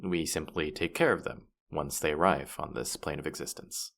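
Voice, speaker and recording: A man's voice: rumbling low, moderate pace, gravelly, a bit bright, full character voice. A man playing a boastful, teasing demon who guides souls through the afterlife, playful and smug in a fantasy audio roleplay. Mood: explaining, hesitant. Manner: playful, smug, mock-offended, hesitating mid-thought. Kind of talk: scripted character audio roleplay addressed to the listener.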